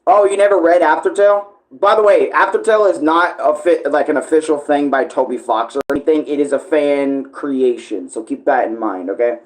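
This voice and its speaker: A man's voice: a little high, brisk, hardly any pauses. A man chatting casually as an online streamer, rambling along, often searching for words and correcting himself. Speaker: online video creator and live streamer. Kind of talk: casual rambling livestream chat.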